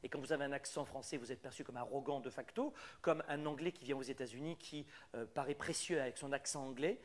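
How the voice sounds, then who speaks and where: A man's voice: mid-range voice, fast. A middle-aged man with a French accent, giving a live business coaching talk and hammering his key points home with repetition. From France. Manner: emphatic, repeats key points. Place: Quebec.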